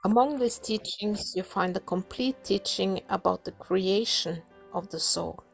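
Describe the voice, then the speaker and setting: A woman from Norway speaking English with a Norwegian accent, giving an earnest, measured prepared talk as a council member. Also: medium pitch, vocal fry, faint music behind, rough recording. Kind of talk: prepared talk, read aloud.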